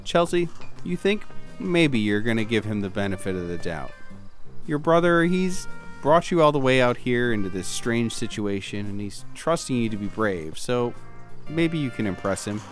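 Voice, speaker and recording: A man's voice: mid-range voice, big pitch swings, moderate pace, soft background music. A man running a tabletop roleplaying game, narrating scenes dramatically as game master.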